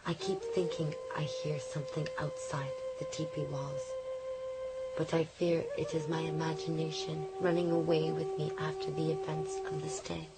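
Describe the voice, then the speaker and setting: A woman playing a young Native American girl who narrates her journal with earnest, hushed suspense and wonder. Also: sits low, expressive, moderate pace, poor audio. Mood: reflective. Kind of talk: dramatic first-person journal narration. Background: loud music.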